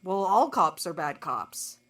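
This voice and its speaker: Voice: medium pitch, very animated, slow pace, a bit bright, dry recording. A performer playing a blunt, wry and loyal tough companion in an audio drama. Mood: caring.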